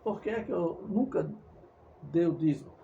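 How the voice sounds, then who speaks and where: With a Brazilian Portuguese accent, this evangelical preacher insists and repeats himself through a fervent monologue, occasionally stumbling. His slightly high, dark voice has lively intonation and vocal fry at a moderate pace, and the audio is dull with slight background noise.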